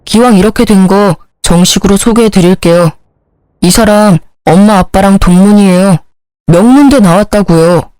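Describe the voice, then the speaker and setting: A woman's voice: medium pitch, normal speed, mellow, no echo, natural voice. A woman voicing an unfaithful husband who whines and pleads defensively. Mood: pleading. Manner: whining, pleading. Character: cheating husband, whiny and defensive.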